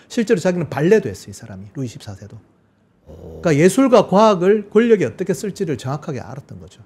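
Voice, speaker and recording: A man talks at a very fast pace with a high pitch. His voice has very wide pitch swings and big swings in loudness. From South Korea. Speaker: science historian and research institute head; guest. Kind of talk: educational talk show explanation. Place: studio. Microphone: studio mic.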